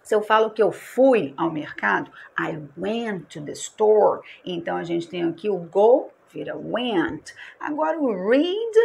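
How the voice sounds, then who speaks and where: Gravelly-voiced Brazilian woman teaching grammar. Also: medium pitch, big pitch swings, measured pace, few pauses, darkish tone. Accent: Brazilian Portuguese. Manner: asks rhetorical questions and answers them, stretches key words. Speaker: English teacher. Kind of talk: explaining grammar to students.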